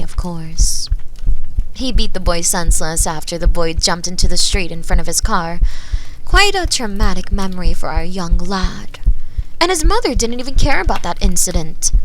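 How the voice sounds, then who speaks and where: A woman voicing a sinister, manipulative seer, speaking calmly and slowly with a soft, partly whispered voice into a binaural mic. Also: on the low side, a little hiss or hum, low-quality recording. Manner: calm, slow and coolly menacing.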